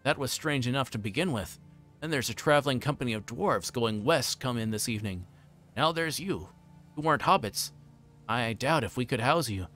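A man voicing a bustling, forgetful fat innkeeper in a storybook reading, rambling on in a hurried, folksy way. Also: medium pitch, a bit bright, natural voice. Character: flustered, bustling, chatty fat middle-aged male innkeeper.

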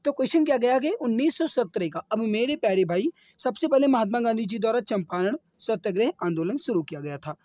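Slightly hoarse male teacher, dry close sound. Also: very high-pitched, animated, quick pace, few pauses, darkish tone, no room sound. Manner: repetitive, addresses viewers as dear brothers and friends. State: slightly hoarse, sore throat. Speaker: exam coaching teacher. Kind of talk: online quiz lesson with answers explained.

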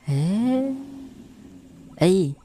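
This young male video host, speaking with a Southern Vietnamese accent, has a high, sing-song voice with a dark tone and talks very slowly. There's a little hiss or hum, and his reaction commentary is casual and slangy, peppered with exclamations and laughter.

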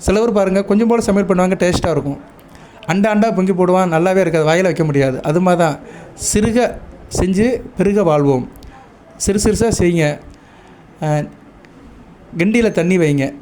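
A man with a Tamil accent giving devotional advice to viewers, measured and instructive, stopping often to check that listeners follow. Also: high voice, a little hiss or hum. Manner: chants mantras and praise lists in a steady recitation. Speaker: astrologer.

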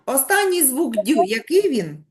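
A middle-aged woman teaching young schoolchildren, her pitch rising and falling lively as she explains. She stretches words out patiently and speaks clearly. She sounds like a teacher in a classroom. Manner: patient, drawn-out dictation to young children. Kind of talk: classroom lesson.

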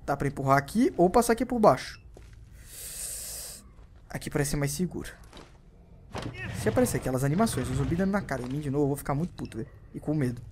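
A man's voice: on the high side, expressive, fast, pauses often, background noise. Jumpy, swearing Brazilian young man gaming. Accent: Brazilian Portuguese. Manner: jumpy, swears a lot, yelps and shouts when startled. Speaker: gameplay commentator. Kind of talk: let's play commentary.

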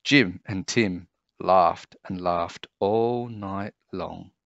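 Guy reading a kids picture book, lowish voice, takes his time, bit muffled recording. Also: extremely slow, creaky, fairly bright tone, no room sound. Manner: addresses young listeners, acts out characters. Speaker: storybook reader for children. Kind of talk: expressive children's read-aloud narration.

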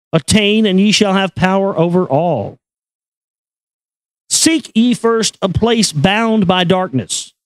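Man, high voice, solemn incantatory recitation, unhurried pace, dry close sound. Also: no room sound. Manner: incantatory, measured, deliberate. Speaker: reader and commentator. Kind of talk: solemn recitation of an esoteric text with brief asides.

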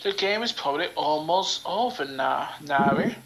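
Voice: mid-range voice, expressive, normal speed, creaky, a bit bright. A person playing a game with a friend, teasing and playful in casual chat. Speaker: game player.

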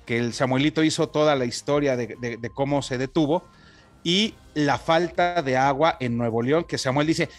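A man with a Mexican accent co-hosting a casual talk show, rambling through gossip in slang with lots of filler pauses. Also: mid-range voice, soft background music. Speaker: co-host. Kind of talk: casual political gossip chat.

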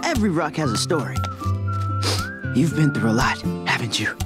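A woman's voice: deep voice, huge pitch swings, normal speed. A woman voicing a quirky, dreamy, nature-loving cartoon boy with a wide-eyed, dramatic delivery. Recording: loud music bed behind the dialogue.

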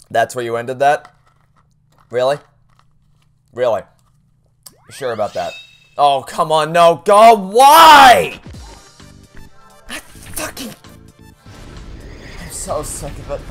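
A man's voice: a little high, very animated, slow pace, long pauses, fairly bright tone, faint music behind. A young man giving sarcastic, exasperated commentary while playing a video game, swearing and complaining often. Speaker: let's play host. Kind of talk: profane frustrated gameplay commentary.

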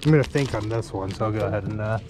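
Easygoing guy bargaining outside, body cam mic, loud background noise. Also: fairly low pitch, very fast. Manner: friendly, easygoing. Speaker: buyer at a flea market. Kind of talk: casual haggling. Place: outdoor flea market. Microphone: chest-mounted action camera. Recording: outdoor noise on a body camera.

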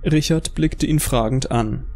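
A man's voice: medium pitch, unhurried, darkish tone, faint music behind. A man narrating a scripted horror audio drama.

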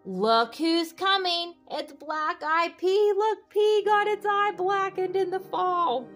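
A woman reading a picture book aloud to young children, expressive and sing-song, talking directly to her little listeners. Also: extremely high pitch, slow pace, faint music behind.

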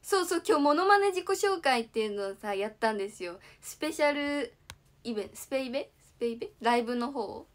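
Young female idol host, lively chatty streamer, slightly high voice, keeps thanking her viewers. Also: fast. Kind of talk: casual livestream chat.

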